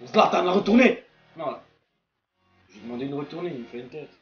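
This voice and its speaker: A young man gives casual, excited commentary on a football video game, slangy and prone to swearing and exclaiming at plays. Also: a little high, fairly quick. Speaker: gaming video creator playing a football game. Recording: dull lo-fi voice track with music behind.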